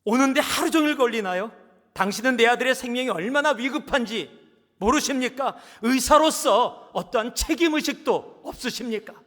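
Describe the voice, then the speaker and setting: A man playing an enraged middle-aged father who shouts accusations at a doctor. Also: very high voice, normal speed, voice pushed up. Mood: furious. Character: furious middle-aged father of a boy in surgery. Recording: long church hall reverb.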